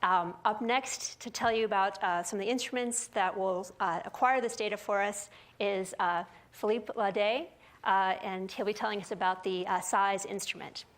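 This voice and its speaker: A woman's voice: medium pitch, fairly even intonation, moderate pace, slight background noise. Female scientist presenter, hesitant explanatory briefing, frequent fillers.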